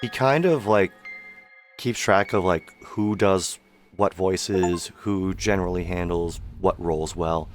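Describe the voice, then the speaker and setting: Man, low pitch, tired sick voice, casual streamer commentary, light music behind. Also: slow. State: worn voice from sickness and long streaming. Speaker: streamer, amateur voice actor.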